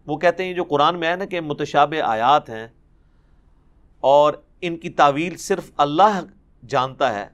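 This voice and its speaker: Man, Pakistani Urdu accent, scripture class lecture, higher-pitched, animated, measured verse recitation. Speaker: religious teacher. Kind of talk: Quran commentary lecture.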